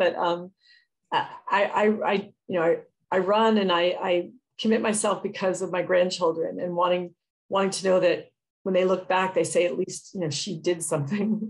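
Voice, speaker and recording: A woman at a moderate pace, medium in pitch, with monotone, flat intonation. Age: 60s. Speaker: political candidate. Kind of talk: panel discussion.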